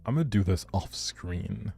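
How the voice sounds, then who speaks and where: Male game streamer, low and soft-toned, chatty and easygoing, music playing underneath. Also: animated, normal speed, vocal fry, husky. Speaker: video game livestreamer. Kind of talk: casual gaming livestream chat, thinking aloud.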